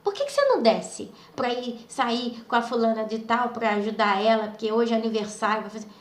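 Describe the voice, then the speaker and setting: Rude nagging man played by a woman, needling questions, fairly high voice, echoey room. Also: expressive, fairly quick, close to an everyday voice. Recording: roomy echo.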